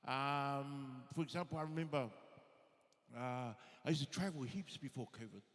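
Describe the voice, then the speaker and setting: A man's voice: mid-range voice, moderate pace, a bit bright. A man, doing a laid-back, self-deprecating stand-up set on a theatre stage. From New Zealand, Samoan family. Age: 50s. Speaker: stand-up comedian. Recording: long hall reverb.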